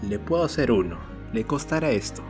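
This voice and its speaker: A man playing a polite, measured older jeweller in an animated story. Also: medium pitch, lightly acted. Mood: polite, businesslike. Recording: voice under clear background music.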